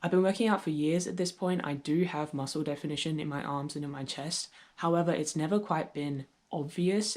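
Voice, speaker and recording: In his personal video diary, a young adult trans man early in transition speaks candidly and reflectively, slipping in gentle humor. His voice is starting to deepen on testosterone.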